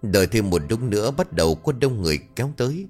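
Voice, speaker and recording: A man narrating a dramatic story in a steady storytelling voice. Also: medium pitch, fast talker, faint music behind.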